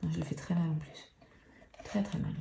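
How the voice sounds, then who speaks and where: A woman's voice: low voice, steady tone, normal speed, gravelly, mellow, slight background noise. A woman hosting a crafts tutorial, chatty and playful, mocking herself, swearing casually and counting knots aloud as she works. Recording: roomy echo.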